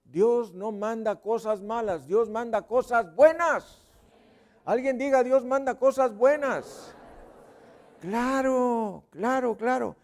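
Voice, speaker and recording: A male pastor with a Mexican accent preaches in a high, unhurried voice. He acts out little sounds and voices, swinging from loud bursts to a hush. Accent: Mexican Spanish. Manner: playful, acts out sounds and voices with sudden loud and whispered bits. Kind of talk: sermon. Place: church service.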